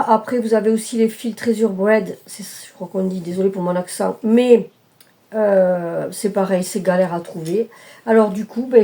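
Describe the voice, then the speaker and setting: A woman from France chats casually about her embroidery projects. Her voice is mellow and warm, at an ordinary pitch for a woman. She hesitates often and corrects herself mid-sentence. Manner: hesitant, many fillers and self-corrections. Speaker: cross-stitch vlogger. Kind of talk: casual show-and-tell chat.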